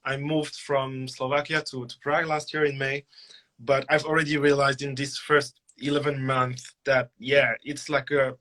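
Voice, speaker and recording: Bright-voiced man on a call. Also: mid-range voice, flat delivery, moderate pace. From France. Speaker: guest musician. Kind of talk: interview conversation.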